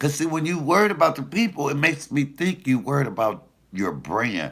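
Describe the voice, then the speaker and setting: Vocal fry runs through this man's fairly high voice as it moves at a moderate pace with very wide pitch swings. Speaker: comedian. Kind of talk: casual livestream chat. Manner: animated.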